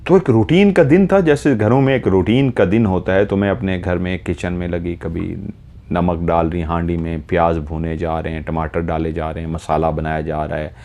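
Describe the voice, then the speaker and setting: A man narrating a horror story in the first person, slow and measured, retelling events step by step. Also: low voice, steady tone, mellow.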